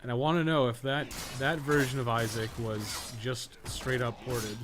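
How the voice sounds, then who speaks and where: A man's voice: mid-range voice, fairly even intonation, moderate pace. A man chatting casually on a live game stream, rambling through blunt opinions with plenty of swearing. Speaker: game streamer and podcast host.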